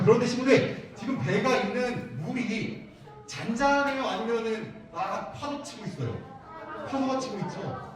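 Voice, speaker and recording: A man preaching to young children, asking them questions and repeating their answers. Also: high voice. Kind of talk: children's sermon with call-and-response questions. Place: church worship room. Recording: echoey room, mic at a distance.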